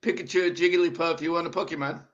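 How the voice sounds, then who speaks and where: A man's voice: on the high side, steady tone, fast talker, fairly bright tone. A man co-hosting a talk show in casual chat. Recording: dull audio with clear noise.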